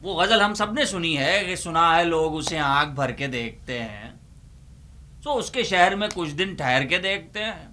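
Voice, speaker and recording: Theatrical high-pitched Pakistani man reciting comic verse. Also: expressive, sharp tone, a little hiss or hum. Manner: theatrical, drawn-out delivery with repeated lines. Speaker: host reciting humorous Urdu poetry. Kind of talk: dramatic comic poetry recitation with banter.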